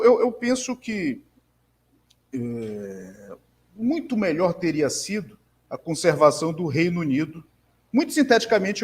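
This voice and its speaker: Brazilian guy, kinda high voice, lots of um um and restarts, earnest. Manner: halting, many repeated fillers and restarts; earnest, emphatic convictions. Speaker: conversation partner, bookseller. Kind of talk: conversational discussion.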